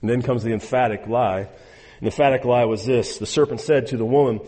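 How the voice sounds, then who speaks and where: A man's voice: medium pitch, fairly even intonation, a little fast, mellow, big-room sound. A man preaching a sermon, emphatic and exhorting, repeating phrases and speaking straight to his listeners. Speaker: pastor.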